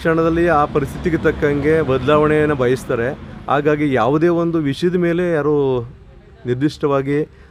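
Over noticeable background noise, a man speaks at a fairly high pitch with fairly even intonation. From Karnataka, Mysuru district. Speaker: villager interviewed on the street. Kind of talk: vox pop interview. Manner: measured, formal.

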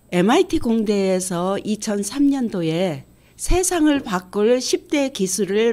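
A woman speaks at a medium pitch with a dark, mellow tone. Her pace is very slow, and her pitch swings very widely. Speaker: retired teacher turned business lecturer; presenter. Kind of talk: motivational business presentation. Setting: online video broadcast. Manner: animated, enthusiastic. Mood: warm, upbeat, smiling. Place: studio. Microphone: studio mic.

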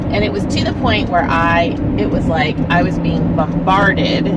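A woman talks fairly slowly while loud background noise fills the space. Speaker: vlogger. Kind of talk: casual vlog chat. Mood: amused storytelling. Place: car. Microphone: phone near.

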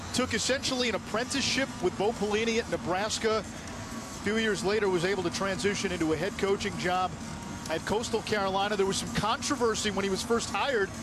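An excited, very fast delivery over noticeable background noise. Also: man, high pitch for a man. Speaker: play-by-play sports announcer. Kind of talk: live football play-by-play commentary. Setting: stadium broadcast booth. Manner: rising to an excited, breathless shout on the big return; brisk, polished broadcaster delivery.

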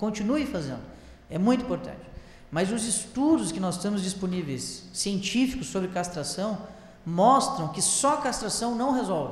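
The man's voice sits high in pitch, with lively intonation. Room echo can be heard. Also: moderate pace. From Rio Grande do Sul coast (Tramandaí); Rio Grande do Sul, Brazil. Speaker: state deputy and veterinarian. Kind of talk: public hearing presentation. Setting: council chamber public hearing. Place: hall. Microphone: handheld.

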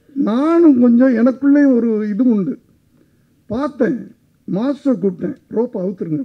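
A man speaks in an extremely high voice against a quiet background. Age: 70s. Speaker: actor. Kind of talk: press meet speech. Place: hall. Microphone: podium.

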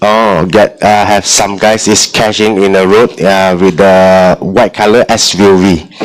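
A very slow pace and monotone, flat intonation in a Chinese accent, over noticeable background noise. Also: man. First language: Chinese (speaking Tagalog). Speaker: rescued trafficking victim acting as translator. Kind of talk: testimony at congressional hearing. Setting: hearing room. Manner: halting.

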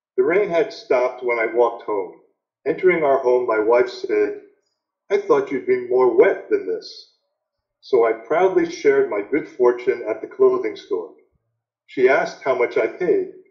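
At a moderate pace, a man with an American accent speaks against a quiet background with audible room echo. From US Northeast, New York suburbs; New York. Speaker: banking expert and author; interviewee. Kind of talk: interview. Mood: calm, warm, reflective. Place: home room. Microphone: webcam.

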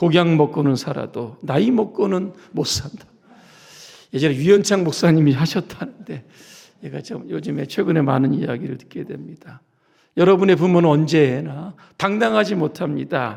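Using lively intonation and big swings in loudness, a man with a fairly high pitch and vocal fry talks at a moderate pace. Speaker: pastor. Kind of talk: sermon. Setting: church.

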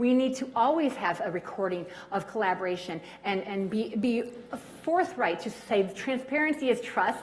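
With lively intonation, this woman speaks fairly quickly while noticeable background noise goes on. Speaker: city council candidate. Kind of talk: candidate forum answers. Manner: fast; halting, many fillers.

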